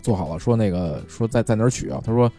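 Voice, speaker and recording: A man's voice: fairly low pitch, quick pace, faint music behind. A man, a podcast co-host telling a story in casual chat, cursing freely and restarting his words. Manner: animated storyteller, swears freely, stammers restarts.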